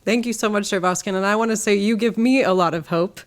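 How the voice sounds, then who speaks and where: Smooth-voiced woman guest, engaged. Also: medium pitch, quick pace. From Los Angeles, United States. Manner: warm, engaged, often adds "right?". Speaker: guest, community organizer. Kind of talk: conversational interview. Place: studio.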